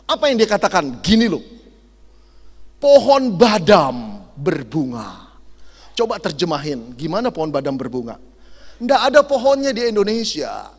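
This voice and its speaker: A middle-aged man, a pastor, preaching a lively sermon full of jokes and acted-out stories. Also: high-pitched. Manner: animated, jokey, acts out dialogue and sound effects. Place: large hall at a youth camp. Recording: long hall reverb.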